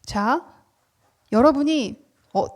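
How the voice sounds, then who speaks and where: A woman preaching a sermon in a church, lively and questioning her congregation. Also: high-pitched, drawn-out words. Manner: animated, acts out quoted words, asks the congregation questions.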